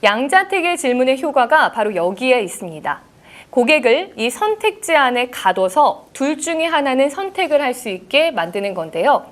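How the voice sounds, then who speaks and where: A woman's voice: high voice, big pitch swings, moderate pace. A young adult woman, a trained announcer, giving a polished scripted lecture on sales talk and acting out sample customer questions. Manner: polished, clearly articulated delivery that acts out sample customer dialogues.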